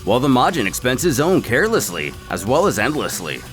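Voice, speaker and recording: A man giving a scripted story recap as a narrator, in a dramatic, animated storytelling manner. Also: medium pitch, fairly quick, faint music behind. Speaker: narrator of a fan comic recap series.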